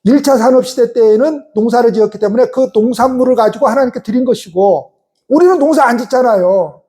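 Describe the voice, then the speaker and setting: A man's voice: very high-pitched, fairly quick, mellow. A middle-aged male pastor giving a sermon in a conversational way, asking the congregation rhetorical questions and acting out people's inner thoughts.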